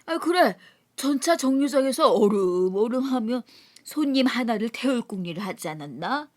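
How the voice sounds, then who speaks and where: A woman voicing a drunk middle-aged male rickshaw puller who shouts and brags in a rowdy, slurred way. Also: fairly high pitch, lively intonation, moderate pace, lightly acted. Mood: tipsy storytelling.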